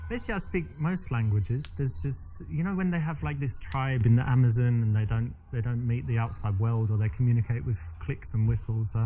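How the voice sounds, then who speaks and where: A man with a British accent playing a smooth-talking, boastful flirt in a chatty, slightly hesitant way. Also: medium pitch, brisk, hardly any pauses, dark tone, natural voice. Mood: boastful, rambling. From London, England. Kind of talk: conversational acted dating scene. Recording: clearly noisy location sound with ambience.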